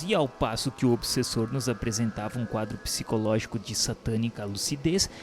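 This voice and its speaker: A man's voice: medium pitch, a little mellow, a little hiss or hum, close to an everyday voice. A man narrating a radio drama from a script in a formal, solemn, literary manner. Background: music.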